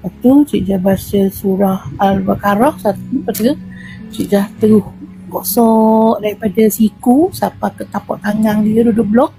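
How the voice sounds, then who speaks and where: A woman with a Terengganu Malay accent, a guest telling a true horror experience in casual, animated style and acting out sounds and quoted voices. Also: medium pitch, normal speed, faint music behind. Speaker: guest recounting a spirit healing.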